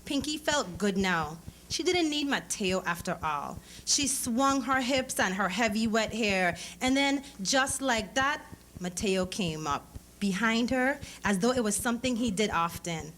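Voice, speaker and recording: A woman reading a story aloud at a live event, in measured, expressive phrases. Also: fairly high pitch. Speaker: author reading a short story at a public event. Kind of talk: dramatic literary reading of narrative prose with acted dialogue. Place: live lecture event before an audience.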